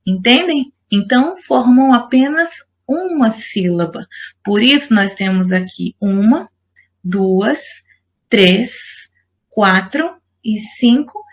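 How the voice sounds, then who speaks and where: Patient woman teacher explaining. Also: fairly high pitch. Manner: patient, explanatory, asks the class rhetorical questions. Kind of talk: recorded online lesson.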